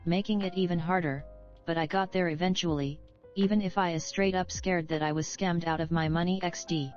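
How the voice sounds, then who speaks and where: Tts lady voice reading chat, kinda low, dull lo-fi sound. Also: fairly even intonation, brisk, faint music behind. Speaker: text-to-speech voice reading viewer chat messages.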